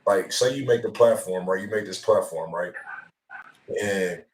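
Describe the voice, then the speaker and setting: Low-voiced American man in an echoey room. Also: moderate pace. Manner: informal, profane, repeats himself. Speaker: podcast host taking audience questions on a livestream. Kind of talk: casual chat with heavy slang. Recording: roomy, echoey sound.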